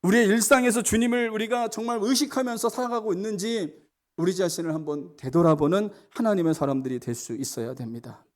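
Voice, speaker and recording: A middle-aged male pastor giving a sermon, earnest, often calling out to the congregation and moving between loud emphatic preaching and quiet storytelling. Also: sits high, a little fast.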